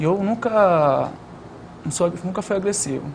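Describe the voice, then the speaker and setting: A soft-spoken man talks at a fairly slow pace with ordinary pitch variation. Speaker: taekwondo athlete and instructor. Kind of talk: TV studio interview.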